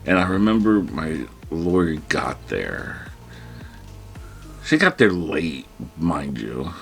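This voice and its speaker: Very deep, gravelly man telling a story. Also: sing-song, slow, faint music behind. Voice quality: heavy breathing. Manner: rambling, restarts, quotes himself in panicked whispers. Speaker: vlogger. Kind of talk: casual storytelling.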